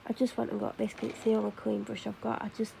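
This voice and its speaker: A woman's voice: mid-range voice, flat delivery, fast, gravelly, dark tone, a little hiss or hum. A woman with a Mancunian accent chatting casually to camera while doing her makeup, rambling with fillers and self-corrections. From Manchester, England. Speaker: vlogger.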